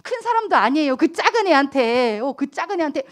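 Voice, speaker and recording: A middle-aged woman pastor preaches to a youth group in an animated storytelling manner. Her voice sits high and swings widely in pitch as she tosses questions to the listeners. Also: a little fast. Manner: animated storytelling, acting out scolding quotes, frequent questions to the audience. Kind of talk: lively sermon to teenagers.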